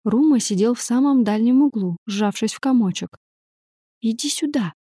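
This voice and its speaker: Warm-voiced woman narrating an audiobook. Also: on the high side, moderate pace, breathy edge, dry recording, studio quality. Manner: steady, expressive storytelling. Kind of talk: first-person audiobook narration.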